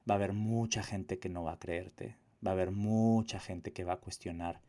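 A man's voice: low-pitched, fairly even intonation, moderate pace, dark tone. A man giving a personal testimony monologue, emphatic, with repetition and rhetorical questions. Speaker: activist and abuse survivor telling own story.

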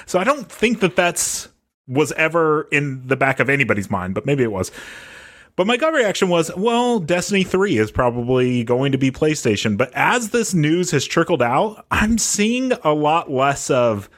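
Deadpan man co-hosting a podcast. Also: fairly high pitch, moderate pace. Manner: dry, deadpan joking. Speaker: podcast co-host. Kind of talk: casual panel discussion.

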